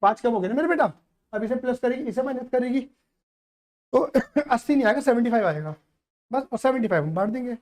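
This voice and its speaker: A man's voice: extremely high pitch, animated, quick pace, darkish tone. A man teaching accountancy to a live class, playful and teasing as he keeps quizzing the students.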